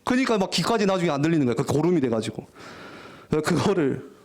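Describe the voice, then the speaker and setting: A young man preaching a lively, jokey youth sermon in a church, often acting out teenagers' voices. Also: on the high side, quick pace. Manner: animated, jokey, acts out teen voices. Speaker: youth pastor. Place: church worship hall.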